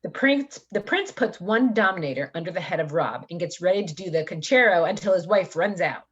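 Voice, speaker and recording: A woman reads scripted stage directions as the narrator of an amateur read-through. Her voice sits on the low side. The sound is somewhat dull and lo-fi. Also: animated, fairly quick, slightly rough.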